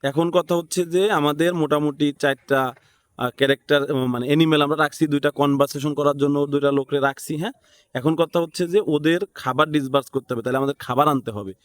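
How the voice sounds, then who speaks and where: A man's voice: a little high, fairly even intonation, quick pace, smooth, no room sound. Bangladeshi man teaching casually, dry close sound. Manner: thinks aloud, often seeks agreement with short tag questions. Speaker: tutorial instructor. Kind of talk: casual step-by-step screen tutorial, unscripted.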